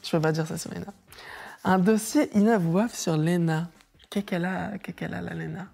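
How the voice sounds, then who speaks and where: A woman's voice: lowish voice, moderate pace, vocal fry. A young adult woman, an interview guest, telling stories in casual chat, laughing often and acting out what others said. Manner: animated storyteller, laughs often, acts out quotes.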